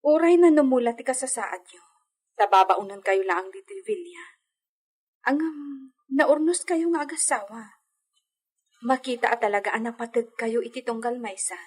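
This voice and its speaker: A woman playing a young pregnant lady of a villa, gentle and anxious, asking worried questions. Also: on the high side, moderate pace, pauses often, close to an everyday voice. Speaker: mistress of the villa. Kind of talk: amateur audio drama acting.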